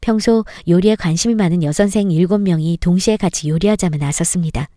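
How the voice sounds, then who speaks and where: A woman's voice: on the low side, fast, mellow, no echo, clean studio sound. A woman narrating a scripted first-person story in a wry, vindictive storytelling manner.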